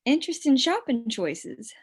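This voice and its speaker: An actress playing a self-possessed, flirtatious store clerk in a script table read, with a dry, teasing delivery. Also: female voice, high voice, sing-song, normal speed, breathy edge, full character voice.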